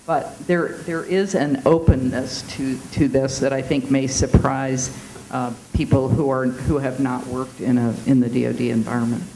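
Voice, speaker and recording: A man's voice: medium pitch, steady tone, moderate pace, mellow, a little hiss or hum, poor audio. Hesitant man on a discussion panel. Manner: hesitant, many fillers and restarts. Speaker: panelist, defense official. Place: university event room.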